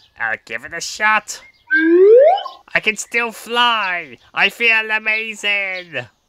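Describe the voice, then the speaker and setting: A man's high-pitched, put-on character voice, very slow in pace, with long, frequent pauses. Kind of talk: audio play.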